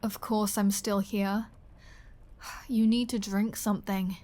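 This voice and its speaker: A woman's voice: mid-range voice, little pitch movement, slow pace, darkish tone, lightly acted. A woman playing a flirty, teasing vampire with a sardonic, caring streak in an intimate ASMR roleplay, often dropping toward a whisper. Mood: wry, caring. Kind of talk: ASMR roleplay audio drama.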